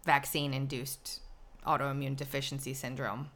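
A woman's voice: very deep voice, flat delivery, normal speed, a bit bright. A woman co-hosting a casual live talk show, reading aloud and explaining in an informal way. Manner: informal, explanatory, laughs easily.

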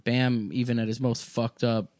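A man's voice: mid-range voice, little pitch movement, moderate pace, darkish tone, dry recording, clean studio sound. A man in his thirties from Connecticut, a comedian telling rambling stories on a podcast and laughing as he goes. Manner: laid-back, rambling, laughs through stories. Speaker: comedian guest. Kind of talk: casual podcast chat.

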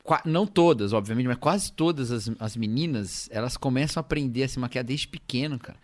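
A man's voice: medium pitch, fairly quick. A man from Brazil co-hosting a podcast, musing over ideas in casual slangy chat. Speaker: podcast co-host.

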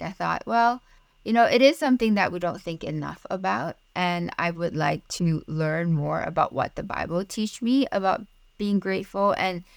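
A woman's voice: lowish voice, creaky, smooth, no echo. A woman in her forties, originally from Malaysia with Mandarin as her first language, speaking earnestly as a podcast guest. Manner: earnest and reflective, with light laughs. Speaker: podcast guest, Bible study writer. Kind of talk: casual interview conversation.

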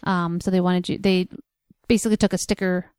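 A woman's voice: lowish voice, little pitch movement, fairly quick, a little mellow, clean tone, dry recording, studio quality. A woman chatting casually and upbeat as a podcast co-host, with many likes. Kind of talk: casual chat recapping a race.

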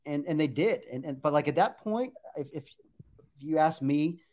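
A man's voice: on the high side, animated, normal speed, a little mellow. A man who writes about baseball telling an anecdote on a podcast, rambling with frequent restarts.

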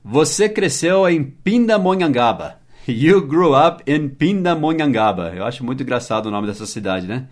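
A man's voice: mid-range voice, expressive, moderate pace. A man hosting a casual English lesson podcast, explaining patiently and spelling words out letter by letter. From United States and Brazil. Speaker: English teacher and podcast host.

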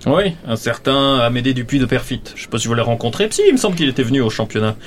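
A man's voice: medium pitch, lively intonation, racing, slight background noise, lightly acted. A man voicing a fussy, gossipy male sports club committee man in a tabletop role-play, full of hesitations. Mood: chatty.

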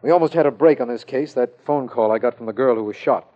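A man's voice: medium pitch, quick pace, lightly acted. An actor playing an earnest, somewhat impatient male district attorney who speaks in a straightforward official tone, in 1940s radio acting. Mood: questioning. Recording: dull old radio broadcast with music.

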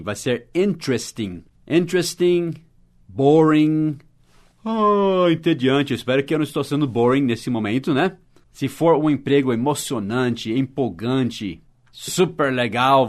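A man with a Brazilian Portuguese accent hosts a mini-podcast English lesson. He talks in a patient, explanatory way and spells out words slowly, letter by letter. His voice sits at an everyday middle pitch. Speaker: English teacher.

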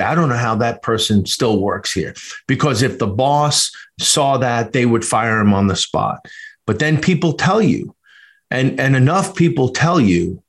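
A man hosts a business podcast, his voice sitting in an ordinary middle pitch. He talks in a lively, storytelling way, and sprinkles in "you know" and asides as he works through examples. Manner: animated, storytelling with acted quotes. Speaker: podcast host. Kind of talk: conversational interview.

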